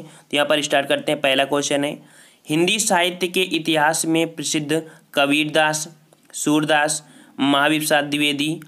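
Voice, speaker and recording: A man's voice: a little high, fairly bright tone. Man explaining an exam quiz. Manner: repeats each answer and asks it back with "ठीक है". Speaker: exam prep teacher. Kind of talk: solving a Hindi grammar test paper aloud.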